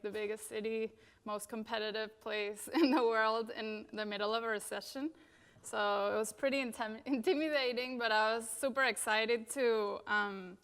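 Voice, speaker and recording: A woman's voice: fairly high pitch, a bit bright, clear, resonant tone. A woman in her thirties from Venezuela giving a casual conference talk about her design career, with many fillers. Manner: casual, many fillers, frequent "you know" and "like".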